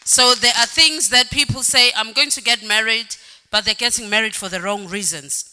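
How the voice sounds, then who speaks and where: In a reverberant church hall with faint music playing, a woman with a slightly high, sharp voice delivers a sermon at normal speed. She repeats words for emphasis, shouts "Amen," shifts her pace, and breaks into song on some phrases.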